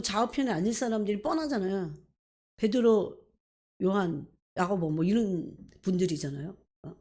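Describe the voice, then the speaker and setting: Woman pastor, sermon delivery, animated and questioning; mellow, slightly breathy tone. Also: medium pitch. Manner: animated, rhetorical questions to the congregation, filler "막" and "예?".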